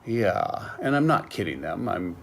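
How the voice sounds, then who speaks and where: Casting: middle-aged American male teacher, low voice, slow patient delivery, faint noise. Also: big pitch swings, creaky, fairly bright tone. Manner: slow, patient explaining with examples. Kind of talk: slang lesson.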